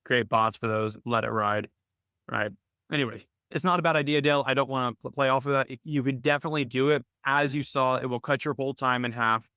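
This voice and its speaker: A man's voice: mid-range voice, fairly even intonation, a little fast, bright, forceful tone, clear, resonant tone, no echo, studio quality. Man hosting a casual trading call. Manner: conversational, thinks aloud with restarts and "right?" tags. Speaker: host of a weekly trading call. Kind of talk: casual live Q&A explanation.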